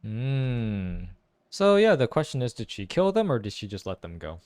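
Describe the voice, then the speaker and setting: Musing aloud, this gaming content creator reacts to a game's story with animated, exclamatory commentary. His mid-range voice is clear and resonant, moving at normal speed.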